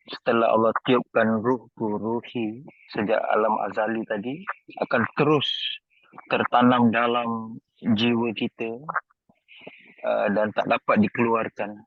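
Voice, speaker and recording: A man's voice: lowish voice, no echo. A man with a Malaysian Malay accent, a participant addressing his teacher with a flowery, reflective question that is full of Arabic terms and hesitant "eh" fillers. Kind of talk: reflective question in a study session. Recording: tinny phone-line sound, very dry.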